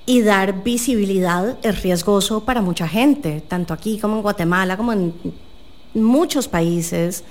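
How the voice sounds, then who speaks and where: A woman's voice: mid-range voice, a little mellow. Chatty young woman hosting an interview. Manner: quick, chatty, with filler phrases. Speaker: podcast host. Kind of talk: casual conversational interview.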